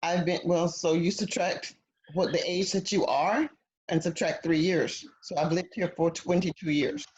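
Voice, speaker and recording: A woman's voice: lowish voice, steady tone, normal speed, a little mellow. A woman teaching an English conversation class over a video call, patient and encouraging. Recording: dull lo-fi video call audio.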